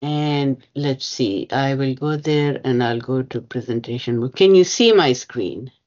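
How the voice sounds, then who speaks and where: A woman's voice: very deep voice, unhurried, a little mellow, dull audio. A woman presenting slides to a bargaining meeting over a video call, hesitant with many fillers. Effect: heard over a video call. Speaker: union bargaining representative.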